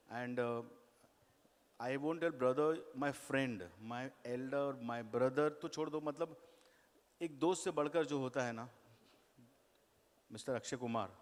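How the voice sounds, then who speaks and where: A man, a film director, giving a halting, sincere thank-you speech in Hindi and English. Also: medium pitch. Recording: reverberant hall.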